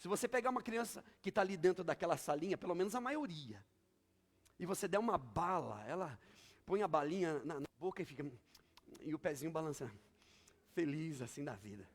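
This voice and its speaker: A man's voice: fairly high pitch, animated, brisk. A male pastor, preaching a sermon with emphatic, repetitive storytelling.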